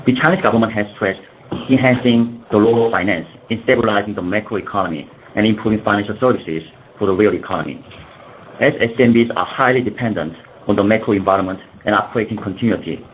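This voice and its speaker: A man in the role of a company executive, formally reading prepared earnings call remarks and sometimes stumbling over his words. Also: lowish voice. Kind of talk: scripted earnings call presentation. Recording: dull lo-fi conference call, faint noise.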